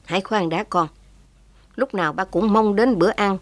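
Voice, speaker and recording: A woman voicing an elderly imprisoned father who speaks in a gentle, steady, fatherly way. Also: mid-range voice, moderate pace, no room sound, close to an everyday voice.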